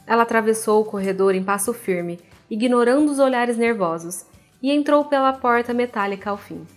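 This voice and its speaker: A woman with a fairly high voice and a Brazilian accent with a pulled R hosts a writing lesson. She speaks directly and informally to the viewer, with faint music behind her. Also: lively intonation, moderate pace. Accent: Brazilian Portuguese with a pulled R. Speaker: host of a writing advice series, author. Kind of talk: didactic video talk with read-aloud book excerpts.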